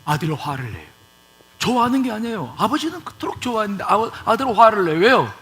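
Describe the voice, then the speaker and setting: A man's voice: high voice, very animated, fast talker, sharp tone. A male pastor preaching a sermon in a church, asking rhetorical questions and repeating points for emphasis. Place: church sanctuary.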